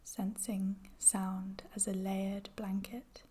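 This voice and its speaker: Soft breathy woman guiding meditation slowly. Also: mid-range voice, level tone. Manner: soothing, measured, gentle. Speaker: yoga nidra guide. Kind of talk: guided meditation narration.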